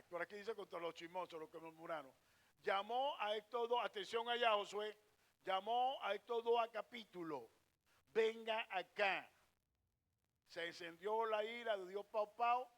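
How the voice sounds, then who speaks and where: A man's voice: sits high, fairly bright tone. A man preaching a sermon. He fires questions at the congregation, answers them himself, repeats his points and tells a reader when to read the next verse. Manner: directs a scripture reader between points; repeats and restarts phrases, hammering each point.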